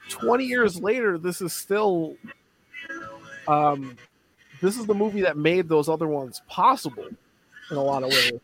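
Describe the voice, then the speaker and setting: A man co-hosting a casual film discussion, opinionated and energetic in his arguments. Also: fairly high pitch. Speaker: podcast co-host.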